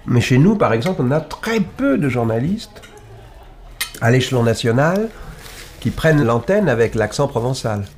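Author guest, man, standard French accent, mid-range voice, halting and reflective. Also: mid-range voice, sing-song, a little hiss or hum. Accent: standard Île-de-France French. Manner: thoughtful and halting, with wide swings in loudness and emphasis. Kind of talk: reflective conversation.

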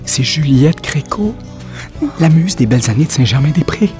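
An actor playing an excited man spotting celebrities in a scripted café sketch. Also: low voice, fairly quick, natural voice. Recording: music behind the voice.

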